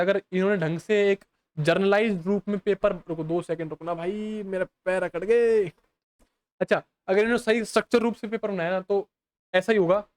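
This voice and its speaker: High-voiced young man teaching casually. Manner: reads English questions slowly, explains fast in casual Hindi; addresses viewers as bhai, often asks if they understand. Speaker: exam prep teacher. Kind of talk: casual lesson explaining exam questions.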